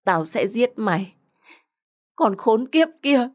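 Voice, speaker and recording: A desperate young woman, played by a female storyteller, speaks in a slightly low voice for an audio story. She is urgent and agitated, swinging between pleading and furious threats against the friend who wronged her. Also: animated, fairly quick. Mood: furious, betrayed.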